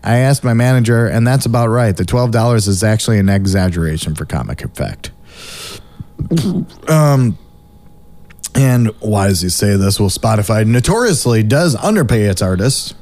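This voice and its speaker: A man's voice: on the low side, expressive, normal speed, darkish tone. A man hosting a podcast, talking in a casual, rambling way with many fillers. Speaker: podcast host.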